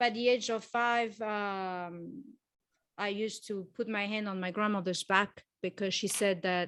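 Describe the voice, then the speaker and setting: Speaking at a fairly slow pace, a woman with a French accent uses a medium pitch and fairly even intonation. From southern France. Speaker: entertainer and spiritual speaker. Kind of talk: interview testimony. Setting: online summit interview. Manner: halting.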